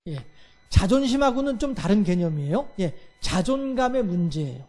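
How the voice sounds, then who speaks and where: A man preaching a Wednesday church sermon. He keeps asking the congregation rhetorical questions and fills his pauses with a steady "yes". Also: sits high. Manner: acts out everyday quarrels in lively voices. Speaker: pastor.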